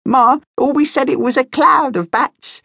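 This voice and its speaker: Squeaky young bat, high and sleepy, read by a man; dry close storybook read. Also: a little slow, creaky, fairly bright tone, breathy edge, no echo, full character voice.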